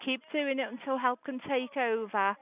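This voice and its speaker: A woman working as an emergency dispatcher, calmly and methodically giving step-by-step first aid instructions over the phone with an encouraging manner. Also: high-pitched, moderate pace. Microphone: telephone call. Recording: narrow, muffled emergency phone line.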